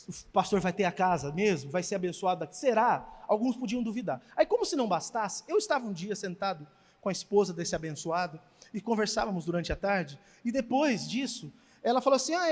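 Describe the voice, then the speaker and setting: A man preaching as pastor, telling a testimony with animated storytelling and emphatic exhortation. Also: sits high. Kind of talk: sermon with testimony. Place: church hall. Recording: church hall reverb.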